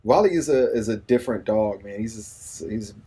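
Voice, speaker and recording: A man's voice: lowish voice, animated, brisk, mellow, breathy edge. A man in his forties talking casually in an interview, easygoing and rambling, often saying "you know what I mean.". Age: 40s. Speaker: radio personality and new father.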